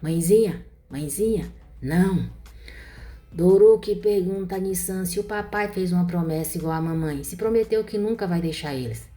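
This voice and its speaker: A woman narrating a soap-opera recap in an even storytelling manner. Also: lowish voice, fairly quick, hardly any pauses, faint music behind.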